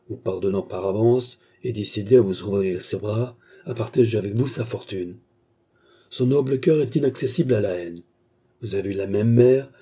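A man's voice: mid-range voice, warm tone, breathy edge, natural voice. A man voicing a white-haired old former hussar who questions firmly and earnestly, in a storybook reading.

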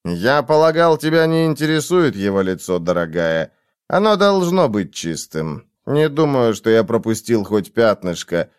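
A man's voice: mid-range voice, very animated, normal speed, clean tone, no room sound, studio quality, natural voice. A male reader voicing a cool, dispassionate, smug surgeon in an audiobook.

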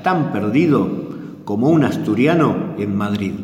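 A man from South America hosting a radio talk show, explaining things in a hesitant way with many pauses and fillers. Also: on the low side, expressive, dull audio, music in the background. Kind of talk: casual explanatory radio chat. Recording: echoey room with long reverb.

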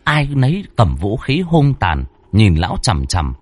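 A man's voice: on the low side, huge pitch swings, a little slow, a little mellow, no echo. A man narrating a ghost story in a dramatic, vivid storytelling manner.

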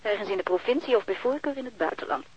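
A woman's voice: medium pitch, expressive, quick pace, darkish tone, slightly rough. An actress playing a weary, irritable woman in an audio drama, curt and exasperated. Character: weary, irritable woman wanting to be left alone. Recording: dull, band-limited radio drama recording.

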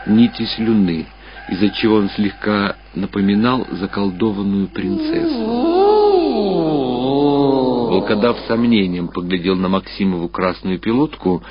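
A man reading literary fiction aloud as a narrator, with measured, expressive dramatic storytelling. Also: lowish voice, noisy background. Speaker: audiobook narrator. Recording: muffled radio-style sound, music behind. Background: clear background music.

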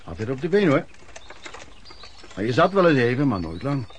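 A man acts out an older former vagrant and street hawker in a radio drama. He tells of his life in a folksy, wordy way with quaint old turns of phrase, at a middling pitch. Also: very animated, moderate pace, a little hiss or hum, natural voice. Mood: matter-of-fact reminiscing. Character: plain-spoken former male street vendor and vagrant reminiscing. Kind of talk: radio play monologue in interview form.

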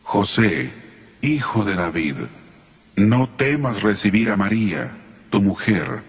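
Very slow, solemn male angel. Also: fairly low pitch, animated, breathy edge, heavily acted. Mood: solemn, reassuring. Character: solemn male angel of the Lord, commanding and reassuring. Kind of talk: dramatized Bible reading.

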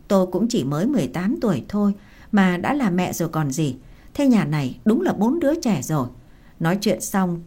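A woman narrating a first-person audio story, calm and even. Her tone is mellow and soft, at a middle pitch for a woman. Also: slightly rough.

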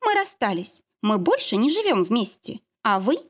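A woman voicing a curt, haughty ex-wife who speaks in a strict, pushy, sharp way. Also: a little high, big pitch swings, brisk, voice pushed up. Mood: cold, insistent.

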